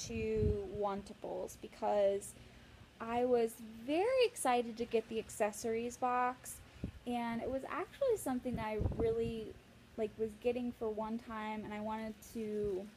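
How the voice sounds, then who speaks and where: Noticeable background noise runs under the speech. The pace is fairly slow. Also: woman. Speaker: vlogger. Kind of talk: casual vlog chat. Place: home room. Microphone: phone near.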